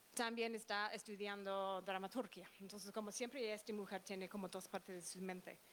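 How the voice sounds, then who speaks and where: Fairly slow and fairly high-pitched, a woman speaks in a British accent with fairly even intonation. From United Kingdom. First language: English (speaking Spanish). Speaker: theatre director and producer. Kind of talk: panel discussion. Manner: halting.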